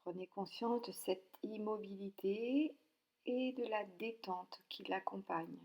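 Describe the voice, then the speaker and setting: Leading a yoga nidra relaxation, this woman gives brief instructions in a soft, calm, mid-range voice. Her soothing delivery leaves long pauses between each one.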